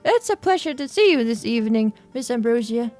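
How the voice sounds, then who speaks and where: A woman voicing a gallant, courteous gentleman knight in a visual novel, speaking in formal, courtly phrases. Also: on the high side, expressive, brisk, faint music behind, pitched below the performer's own voice, close to an everyday voice.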